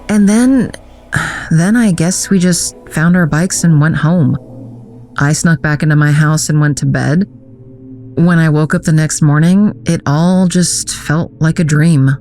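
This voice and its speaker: A woman's voice: fairly low pitch, a little mellow, lightly acted. An actress playing a wry grown woman vividly recounting a teenage adventure in an audio drama. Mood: wry, reflective. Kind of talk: dramatic first-person narration in audio drama. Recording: music bed behind voice.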